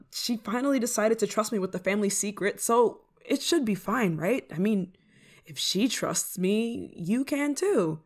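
A woman's voice: mid-range voice, darkish tone. Bubbly scatterbrained young witch, acted by a woman. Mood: pleading, excited. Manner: giggly, coaxing, hesitant asides. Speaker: roleplay voice performer. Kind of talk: ASMR roleplay acting, addressed to the listener.

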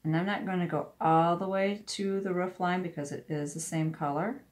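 At a wooden craft table indoors, a woman hosts a casual, hands-on craft tutorial, talking herself through each step as an independent product demonstrator. Her voice is lowish, with fairly even intonation and a moderate pace.

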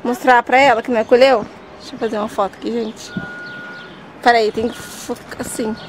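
In this rough recording with slight background noise, a young Brazilian vlogger speaks a little fast in a steady, somewhat high voice with a Brazilian Portuguese accent. She chats casually with viewers while walking through her vegetable garden on a farm, pointing things out.

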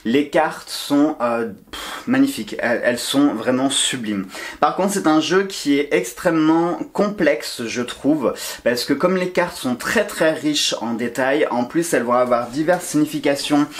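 A man's voice: a little high, measured pace. A man vlogging at home while sorting his oracle decks, chatty and enthusiastic, with many fillers and restarts. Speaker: tarot and oracle card YouTuber. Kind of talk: casual vlog talking to viewers. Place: home during a move, sorting boxes.

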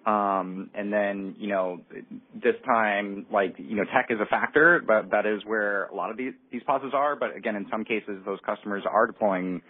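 A company executive on an earnings call answers analyst questions, hesitant and careful to hedge his points. His lowish voice has a breathy edge and a normal speed, and the recording is dry. It comes through a muffled, narrowband phone line.

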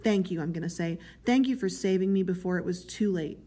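A woman's voice: on the low side, a little fast, mellow, slightly rough. A woman voicing an eager, servile man in a novel, miserable yet proud, with a pleading, chummy, self-justifying manner. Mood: sanctimonious.

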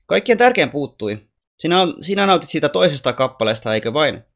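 A man voicing a wise, gentle alien boy who teaches calmly and patiently. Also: fairly high pitch. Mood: gently teaching.

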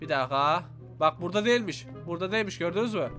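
A young man giving excited let's-play commentary, exclaiming and talking to his viewers as he plays. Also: sits high, racing. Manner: animated, exclaims and talks to viewers. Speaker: gaming YouTuber. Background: faint game music.

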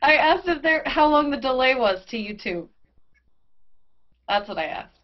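A woman's voice: sits high, animated, normal speed. Playful woman on a headset call. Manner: laughing, playful banter. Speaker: science show co-host. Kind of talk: casual chat on a live webcast. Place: bedroom at home, indoors. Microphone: headset mic, video call. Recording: dull lo-fi webcast audio.

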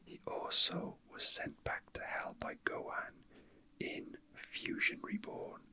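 Working at a tabletop indoors, a young ASMR video host whispers in a soft, breathy murmur. His pace is unhurried and halting, like he's casually commenting while his hands are busy.

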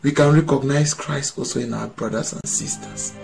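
A middle-aged man, a Catholic priest, preaching a homily slowly and deliberately, stressing key phrases, recorded in a small room on a close webcam. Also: medium pitch, steady tone, vocal fry, a little mellow, faint music behind, rough recording.

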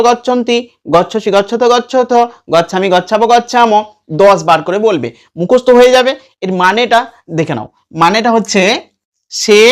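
A man teaching a lesson. He patiently recites verb forms over and over in a slow chant and keeps checking that students follow. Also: high-pitched, a bit bright. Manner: checks in with listeners often. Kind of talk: classroom lesson with recitation drills.

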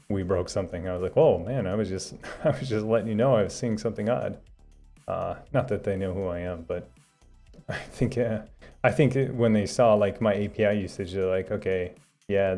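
A man's voice: fairly low pitch, dark tone. Rambling man chatting on a livestream. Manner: rambling, full of fillers and restarts. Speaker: livestream host. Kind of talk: casual live-stream chat with viewers. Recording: faint background music.

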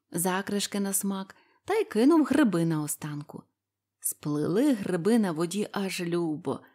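A woman narrating a storybook fairy tale in a gentle, unhurried manner. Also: fairly low pitch.

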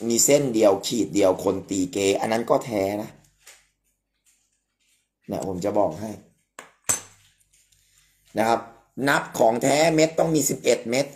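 A man's voice: medium pitch, animated, a little fast, a little mellow. Man explaining amulets on a live stream. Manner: explanatory, emphatic, frequent polite particles. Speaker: amulet expert host.

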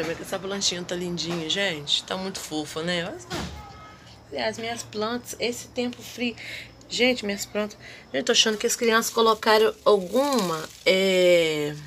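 A woman in her thirties from Brazil, vlogging casually at home on her phone and chatting warmly to her viewers. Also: medium pitch, gravelly, a little hiss or hum. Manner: chatty, gushing, addresses viewers as "gente". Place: house porch and kitchen at dusk. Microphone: handheld phone at arm's length.

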